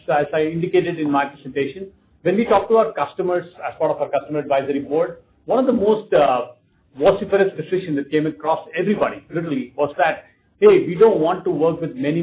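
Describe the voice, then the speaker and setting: Fast-talking man on a phone line. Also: a little high, slight background noise. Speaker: company executive answering analysts. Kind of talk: earnings call answer.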